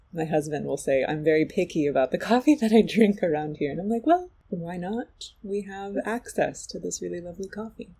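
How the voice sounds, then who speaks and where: A woman's voice: deep voice, dark tone, husky. A woman hosting a podcast interview, friendly and chatty with her guest. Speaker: podcast host. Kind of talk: conversational interview.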